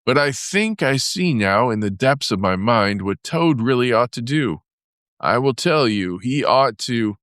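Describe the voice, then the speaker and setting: A man's voice: mid-range voice, animated, unhurried, a bit bright, no echo, studio quality, pitched above the performer's own voice. A man voicing a sensible, earnest male water rat in a storybook reading. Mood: thoughtful.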